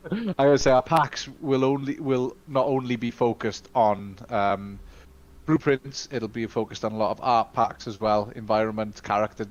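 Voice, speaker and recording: A Welsh-speaking man co-hosting a casual live-stream Q&A, talking in a chatty, halting way full of fillers and restarts. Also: fairly low pitch, lo-fi sound. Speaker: studio co-host.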